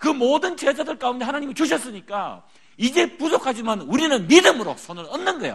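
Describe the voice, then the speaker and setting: This man talks at a fairly quick pace. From South Korea, Daegu. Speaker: missionary ministry staff, preacher. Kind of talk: sermon. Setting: church meeting with audience. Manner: animated, conversational with audience.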